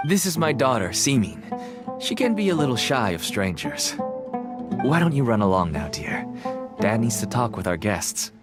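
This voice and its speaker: A man's voice: mid-range voice, big pitch swings, normal speed, music in the background, natural voice. An actor playing an anxious, placating black-market dealer and doting father in a video game. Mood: fatherly. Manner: nervous, placating, theatrical.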